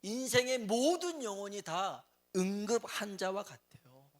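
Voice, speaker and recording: A man preaching a sermon as pastor, acting out the people in the story and swinging from hushed asides to loud cries. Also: sits high, animated, unhurried. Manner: dramatic, acts out quoted voices, swings between hushed and loud. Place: church.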